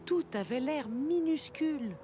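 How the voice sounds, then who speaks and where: A woman narrating a children's cartoon in a gentle, measured storytelling way. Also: high voice, lively intonation. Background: music.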